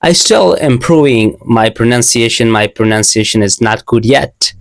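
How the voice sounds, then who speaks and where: A man's voice: medium pitch, lively intonation, normal speed, creaky, no echo. Earnest young Asian man teaching English. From Asia. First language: an Asian language. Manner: earnest, repeats and restarts phrases, learner English. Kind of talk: casual video lesson.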